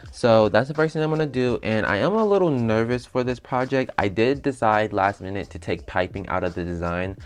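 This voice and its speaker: Raspy low-voiced man chatting while sewing. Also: lively intonation, brisk, hardly any pauses. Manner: chatty, explains steps as he works. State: raspy voice after a night out. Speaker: bag designer. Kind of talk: casual sewing vlog.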